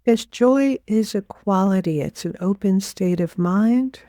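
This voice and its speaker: Gentle, unhurried instructions with pauses come from a woman teaching a guided meditation. She has a mid-range voice, captured in clean studio sound without any echo.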